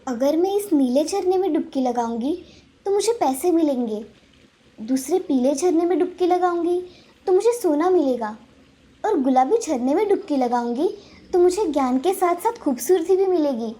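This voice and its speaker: A woman voicing a timid, gentle young girl in a cartoon story, speaking softly and pleadingly. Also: sits high, expressive, moderate pace. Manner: pleading, soft. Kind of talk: cartoon voice acting.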